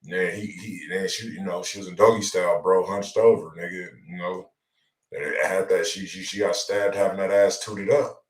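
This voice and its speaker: A man's voice: deep voice, steady tone, moderate pace. A man co-hosting a casual chat show, slangy and profane, often repeating his phrases, with a roomy echo on his voice. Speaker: radio show co-host.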